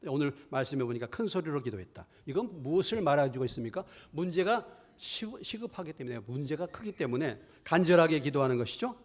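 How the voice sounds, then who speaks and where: Middle-aged male pastor, fairly high voice, preaching with rhetorical questions, hushed asides and loud emphatic peaks. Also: expressive, brisk. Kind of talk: sermon. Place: church sanctuary.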